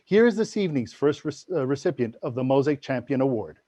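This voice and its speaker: A man hosting an awards show with measured, formal scripted presenting. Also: medium pitch, lively intonation, dark tone, dry recording. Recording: dull dry recording.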